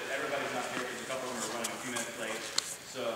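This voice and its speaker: A man is speaking. Loud background noise and audible room echo surround him. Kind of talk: motivational talk to campers. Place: hall. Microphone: camera far.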